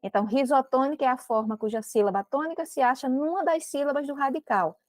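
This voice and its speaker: A woman teacher with a Brazilian Portuguese accent gives a recorded grammar lesson, explaining step by step and often checking in with "né?" and "ok?". Her voice sits high and darkish, she talks fast, and the recording is dry.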